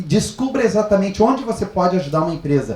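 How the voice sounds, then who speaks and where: An animated man with a Brazilian accent and very wide pitch swings, over noticeable background noise. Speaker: accountant. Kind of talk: lecture.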